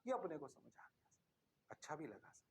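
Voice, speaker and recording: A man's voice: a little high, sing-song, normal speed, voice pushed down. A man voicing a chorus of dutiful male students, meekly agreeing and adding "sir" to every reply. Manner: meek, eager agreeing with "sir" replies.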